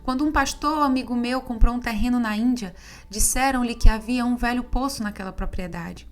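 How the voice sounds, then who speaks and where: Higher-pitched woman reading an audiobook. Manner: steady, measured reading. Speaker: audiobook narrator. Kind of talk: scripted audiobook narration.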